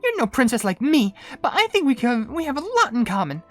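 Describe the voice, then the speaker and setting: A woman's voice: high-pitched, very animated, a little fast. A woman voicing a proud, eager young cookie princess with a girlish voice in a video game. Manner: eager, boastful. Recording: game music behind.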